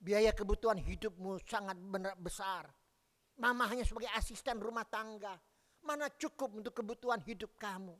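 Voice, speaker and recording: A man's voice: high voice, moderate pace, a bit bright, in a large hall. A man voicing a weary widowed mother. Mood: resigned.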